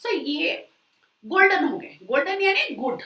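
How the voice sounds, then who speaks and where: A woman's voice: sits high, big pitch swings, unhurried, bright, forceful tone. An Indian woman teacher giving a live online revision lecture, switching between Hindi and English, often checking in with students and drawing out key words for emphasis. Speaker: commerce exam teacher. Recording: echoey, from a distance.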